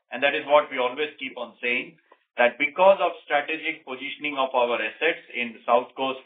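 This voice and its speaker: A male senior executive answering on an earnings call in a deliberate, emphatic way. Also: medium pitch. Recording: narrow phone-like conference line.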